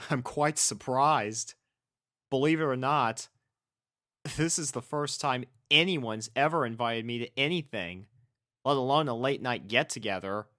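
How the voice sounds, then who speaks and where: A man's voice: mid-range voice, unhurried, bright, forceful tone. A man reading a first-person story as scripted narration, in an earnest, sentimental manner. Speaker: fan fiction reader.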